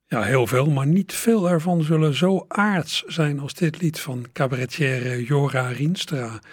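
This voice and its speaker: A man presenting a music radio show, introducing songs in a musing way and pausing on hesitant fillers. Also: mid-range voice, slightly rough, no echo, clean studio sound. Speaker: radio host.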